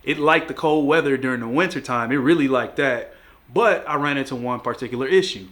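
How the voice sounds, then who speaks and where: Still stuffy from a cold, a young man talks plant care with his regular viewers in a relaxed, jokey video chat. His voice is medium-pitched and a bit bright, and he speaks briskly.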